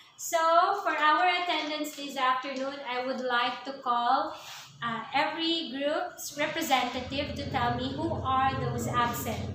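The delivery comes at a very slow pace. Noticeable background noise and audible room echo run through the clip. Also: woman. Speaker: teacher. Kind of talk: classroom teaching. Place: classroom. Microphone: camera far.

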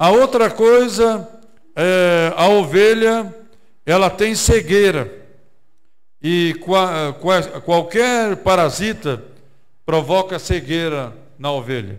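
Very slow delivery with long, frequent pauses and lively intonation against a quiet background. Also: man, high pitch for a man. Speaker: preacher. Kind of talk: sermon. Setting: church with audience. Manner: animated, preaching with teaching illustrations and repetition for emphasis. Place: church. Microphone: handheld.

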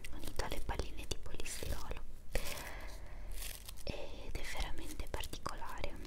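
At a moderate pace, a soft-spoken woman speaks in a whisper. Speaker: ASMR creator. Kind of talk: soft-spoken ASMR product talk. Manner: soft ASMR whisper. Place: home room. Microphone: phone near.

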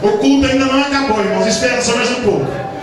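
A man at an extremely high pitch, with strong room echo and noticeable background noise. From Brazil. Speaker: preacher. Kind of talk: sermon ending with an altar call. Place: church.

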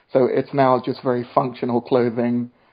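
A medium-pitched male voice with a London accent and monotone, flat intonation. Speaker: YouTube creator. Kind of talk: casual conversation.

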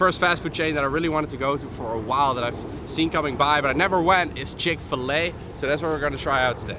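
A man talks very fast with fairly even intonation, the sound dry with no echo but with noticeable background noise. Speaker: travel vlogger. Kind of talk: casual vlog chat. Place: cafe.

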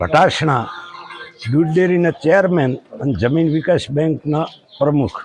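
This man has an unremarkable speaking voice. His pitch is fairly high, with ordinary variation. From Suigam taluka, Banaskantha, north Gujarat. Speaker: village dairy chairman and farmer. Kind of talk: on-site interview.

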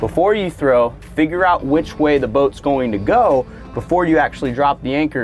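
Faint music sits in the background. A man speaks with ordinary pitch variation. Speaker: fishing guide, host. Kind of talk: tutorial. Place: boat.

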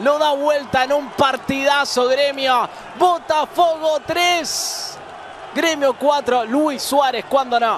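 Over noticeable background noise, a man talks very slowly in an extremely high pitch with fairly even intonation. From Argentina. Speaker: football commentator. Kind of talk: live football play-by-play.

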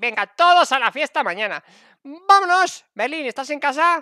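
A man's raised, projected voice, bright and sharp in tone, with very wide pitch swings and a dry, close sound with no echo. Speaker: gaming youtuber. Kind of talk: let's play commentary. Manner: animated; fast.

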